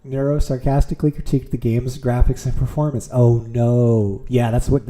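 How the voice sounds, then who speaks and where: A man's voice: mid-range voice, steady tone, moderate pace, dark tone. A man streaming from home, reading aloud with amused reactions, with keyboard clicks nearby. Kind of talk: casual streaming commentary.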